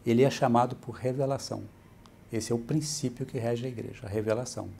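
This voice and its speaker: This bishop is a middle-aged man with a Brazilian accent, interviewed indoors in a bright, furnished room. His medium-pitched voice is fast, gravelly and slightly rough as he patiently and steadily explains things, sprinkling in "né" often.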